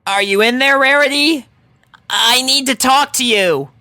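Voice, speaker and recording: A man puts on a high-pitched female cartoon pony with a hot temper. The delivery is bright and forceful, full of exclamations and exasperation. The sound is dry and close. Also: a little slow, no echo, full character voice. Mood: calling out. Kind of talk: animated fan fiction character reading.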